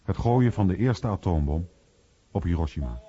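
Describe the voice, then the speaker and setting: A man's voice: low voice, expressive, normal speed, warm tone, breathy edge. A man reading scripted narration for a radio documentary. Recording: muffled radio recording.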